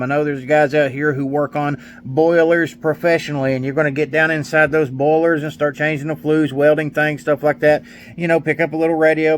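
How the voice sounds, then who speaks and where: A mechanic reviews a gadget hands-on in a casual, folksy, plainspoken manner, using colloquial grammar. His voice is on the high side, and the recording carries a little hiss or hum.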